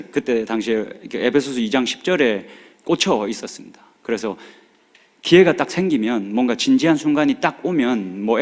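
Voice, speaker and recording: A man in his forties, a pastor preaching a sermon, urging and pleading with his congregation in a regional dialect. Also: medium pitch. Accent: Korean regional dialect. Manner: earnest, pleading exhortation with rising urgency. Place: church sanctuary. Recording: long hall reverb of a church.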